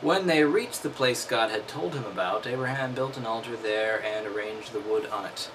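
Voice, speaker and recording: A man's voice: medium pitch, moderate pace, noisy background. A man reading aloud and breaking off into wry, mocking commentary. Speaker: host.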